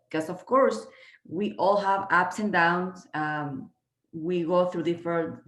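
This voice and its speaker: Earnest Peruvian-born woman, echoey room. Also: fairly low pitch. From Peru. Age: 50s. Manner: earnest, halting, many fillers and restarts. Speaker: guest trainer. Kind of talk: motivational talk on a video call. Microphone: video call.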